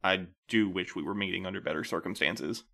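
A man playing a calm, patient middle-aged postmaster who interviews new couriers, speaking gently and in a measured way. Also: low voice, full character voice. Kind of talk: audio drama acting.

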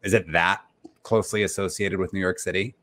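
A man's voice: sits low, steady tone, fairly quick, a bit bright. A man in his thirties asking casual questions as a contestant in an online guessing game. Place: living room on a video call.

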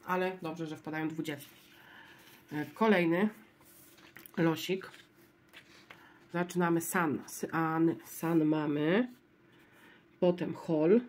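Casting: woman vlogger, low voice, unhurried, murmurs letters aloud while checking scratch cards. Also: steady tone, darkish tone. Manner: spells out letters one by one, low-key and murmuring. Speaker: lottery scratch-card vlogger.

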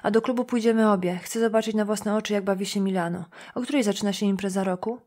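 A woman reading an audiobook, voicing a curt, determined adult woman investigator in a low, quiet tone. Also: steady tone, fast talker, lightly acted. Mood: firm.

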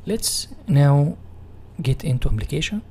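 This instructor, a man with an Egyptian Arabic accent, walks through a software tutorial in non-native English by reading and rephrasing. His husky voice sits a little high with big pitch swings, and he never hurries.

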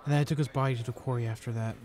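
An actor playing a tense, weary young hitman in an amateur radio drama, moving between hushed talk and shouting. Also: medium pitch, fairly even intonation, racing, lightly acted. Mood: subdued.

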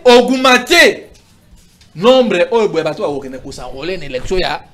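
A high-voiced man in his thirties makes his case in a studio debate, his pitch swinging widely as he gestures and stammers through restarts. He talks into a lapel mic. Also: big pitch swings, moderate pace, fairly bright tone, soft background music. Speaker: political commentator. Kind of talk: heated talk-show debate.

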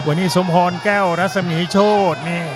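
A man giving excited boxing commentary, exclaiming and repeating short urgent phrases. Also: high voice, moderate pace. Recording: loud music and crowd behind. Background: loud crowd and music at a televised fight.

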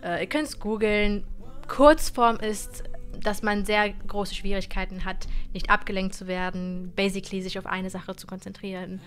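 A woman's voice: medium pitch, normal speed, faint music behind. Chatty young woman streamer. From Germany. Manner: chatty, animated, stumbles and repeats words. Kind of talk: casual chat with viewers. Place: gaming room with colored wall lights. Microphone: studio mic on boom arm.

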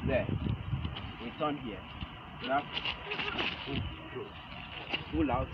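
A medium-pitched man in his thirties leads a practical self-defense class outdoors in a big concrete arena with stepped stands, speaking in brief, halting phrases and repeating his directions. A camera a few metres away picks him up, muffled beneath heavy ambient noise.

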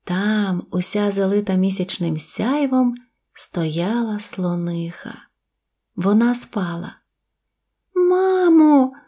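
Slow, gentle woman storyteller. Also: mid-range voice. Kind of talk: children's audio tale narration. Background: faint music.

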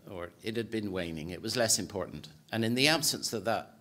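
Measured Irish man lecturing, low voice. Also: expressive, bright, forceful tone, a little hiss or hum. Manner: measured, hesitant, many fillers and restarts. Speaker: political science professor giving a presentation. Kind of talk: formal lecture talk. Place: conference hall with audience. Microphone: podium microphone.

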